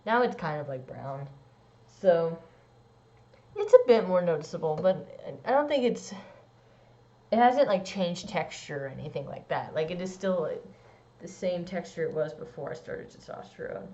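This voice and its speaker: A young trans man vlogging a casual personal update, rambling with lots of "like" and "um" and swooping into squeaky high bits. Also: big pitch swings, normal speed, darkish tone. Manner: rambling, many likes and ums. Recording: dull lo-fi sound.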